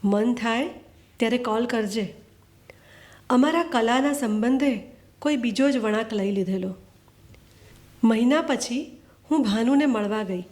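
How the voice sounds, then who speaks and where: A woman reading her own short story aloud at a literary event, in a measured, earnest storytelling manner. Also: on the high side, darkish tone.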